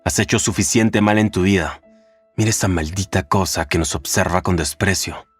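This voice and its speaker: An earnest, devout painter pleads urgently with his friend, as a man reads him aloud in an audiobook. His voice stays low and deep. Soft music plays faintly underneath. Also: moderate pace, breathy edge, dry recording. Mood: pleading.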